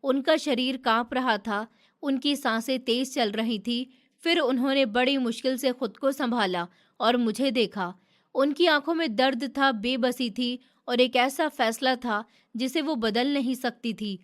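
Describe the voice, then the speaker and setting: A woman narrating a first-person story in a somber, steady storytelling manner. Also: high-pitched, unhurried.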